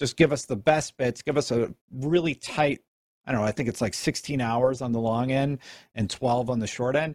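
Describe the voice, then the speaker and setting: In a very clean recording with a silent background and a dry, close sound with no echo, a normal speaking voice moves at a moderate pace with fairly even intonation. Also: man, medium pitch for a man. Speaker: gaming journalist. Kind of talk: casual chat.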